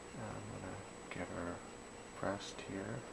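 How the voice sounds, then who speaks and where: Soft-spoken and calm in tone, a man talks with vocal fry. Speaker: drawing teacher. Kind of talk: ASMR drawing tutorial. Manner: calm, soft-spoken.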